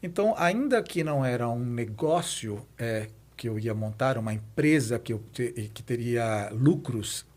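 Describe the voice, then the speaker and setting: A man's voice: medium pitch, expressive, measured pace, hardly any pauses, a little mellow. A Brazilian man in his fifties telling his own story as a podcast guest, in a reflective, explanatory way. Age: 50s. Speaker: podcast guest, president of a nonprofit institute. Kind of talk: conversational interview answers, personal storytelling.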